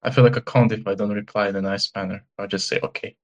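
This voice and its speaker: A nineteen-year-old man talking as a guest, hesitant and quiet as he admits his habits. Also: fairly low pitch, fairly even intonation, fast.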